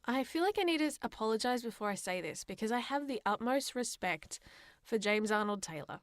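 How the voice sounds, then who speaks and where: Female podcast co-host, slightly higher register, opinionated and expressive, informal chat, very dry close recording. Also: a little fast, dry recording.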